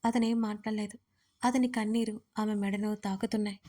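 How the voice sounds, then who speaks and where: Woman narrating a story, mellow voice. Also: medium pitch, little pitch movement, a little fast.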